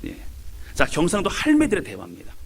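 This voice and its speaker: A man's voice: on the high side, wildly swooping pitch, normal speed, creaky, slightly rough. A male pastor from Seoul preaching a sermon, emphatic and speaking straight to his congregation. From Seoul, Korea. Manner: emphatic, addressing the congregation directly.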